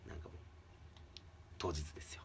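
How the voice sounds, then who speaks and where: A man who hosts a comedy podcast tells a story in casual chat. He acts out the quotes and swings from loud outbursts to hushed asides. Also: brisk, distant mic, heavy background noise.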